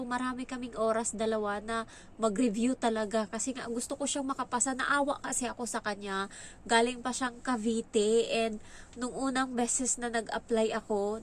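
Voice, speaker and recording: A woman's voice: a little high, slight background noise. A young woman with a Filipino accent telling a story in casual vlog chat. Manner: chatty, acts out quoted lines in a raised voice. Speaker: vlogger.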